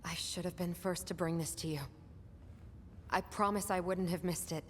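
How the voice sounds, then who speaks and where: An actress playing a shrewd, worried woman political aide who reports in a hushed, quick manner. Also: on the low side, fairly even intonation, slight background noise, close to an everyday voice. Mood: concerned. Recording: reverberant hall.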